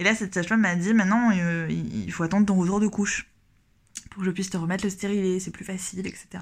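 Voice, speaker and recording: A woman's voice with ordinary pitch variation. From Normandy, France. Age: 30s. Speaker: listener giving testimony. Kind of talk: recorded testimony. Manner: halting.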